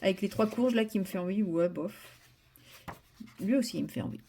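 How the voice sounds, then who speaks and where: A woman's voice: mid-range voice, brisk, mellow, a little hiss or hum. A woman vlogging casually at home, chatty and rambling, with many fillers and restarts. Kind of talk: casual chat.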